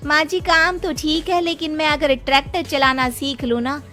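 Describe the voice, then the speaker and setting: A woman's voice: high voice, level tone, normal speed, pushed and bright, soft background music. A young woman voicing a determined village daughter-in-law in a cartoon, speaking respectfully and earnestly. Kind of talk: cartoon voice acting.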